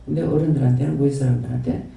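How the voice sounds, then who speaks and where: A man's voice: medium pitch, steady tone, racing, creaky, dark tone. A man with a Gyeongsang accent preaching a rambling, repetitive, folksy sermon and then praying, as a pastor. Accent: Gyeongsang Korean. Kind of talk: sermon and closing prayer. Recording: very echoey hall, distant mic.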